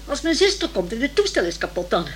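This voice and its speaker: A woman's voice: fairly high pitch, big pitch swings, fast talker. An actress playing a flustered, well-to-do older lady in a Dutch radio play, fretting and pleading in stammered repetitions. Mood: wistful, fussy. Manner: fretful, stammering repetitions, exclaiming.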